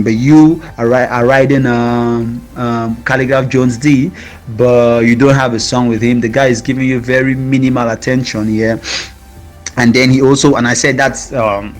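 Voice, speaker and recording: Flat-voiced man breaking down rap lyrics. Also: mid-range voice, moderate pace, soft background music. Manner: excited, explains each line with fillers and restarts. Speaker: music reviewer. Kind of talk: casual commentary breaking down rap diss lyrics.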